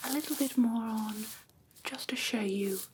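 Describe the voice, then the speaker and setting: A gentle female vampire teacher a woman in ASMR roleplay leads her class in a breathy whisper. Her voice sits slightly high and stays soft and patient. Clear background noise runs beneath the whispering. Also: lightly acted. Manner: soft, patient, unhurried instructing.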